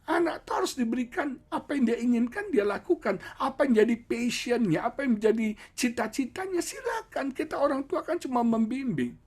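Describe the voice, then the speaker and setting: A male pastor delivering a sermon with a husky voice. He jumps into high, emphatic peaks for stress and throws in playful asides, then settles into a steadier prayer. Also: expressive, brisk, few pauses. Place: church prayer service.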